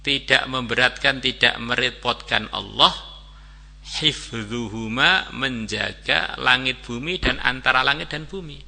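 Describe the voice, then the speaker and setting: A male preacher telling a story in a relaxed, colloquial sermon and chanting short Arabic verses along the way. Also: medium pitch, moderate pace, gravelly, few pauses.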